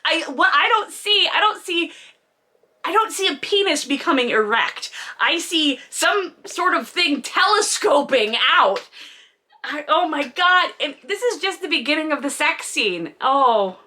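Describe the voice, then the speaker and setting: Woman, fairly high forceful voice, sarcastic commentary, exaggerated emphasis, sweary, mocking book host. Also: big pitch swings, unhurried. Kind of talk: comedic read-along commentary.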